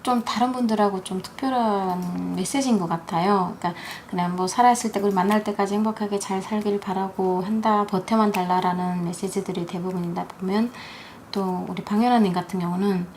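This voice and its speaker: A woman hosting an interview, quick-talking and encouraging. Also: mid-range voice, steady tone, a little mellow, a little hiss or hum. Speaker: interviewer host. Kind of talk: conversational interview.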